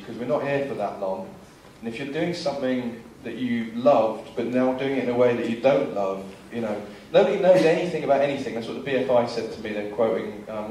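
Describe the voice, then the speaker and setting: A man in his forties with a mid-range voice gives an anecdotal seminar talk as a filmmaker. He tells lively stories and slips into other people's lines along the way. The distant mic catches him from across a very echoey hall, with faint background noise.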